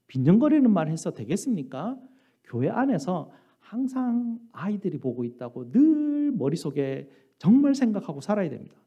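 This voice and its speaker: A man's voice: high voice, mellow, breathy edge. A man preaching a sermon as pastor, earnest and full of rhetorical questions. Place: church sanctuary. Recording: dull lo-fi church recording.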